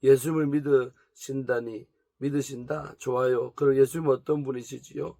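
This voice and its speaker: A man reading aloud the questions of a pastor's wife counseling a troubled woman, pointed and calm. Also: medium pitch, normal speed, creaky, dry recording, natural voice. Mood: gentle.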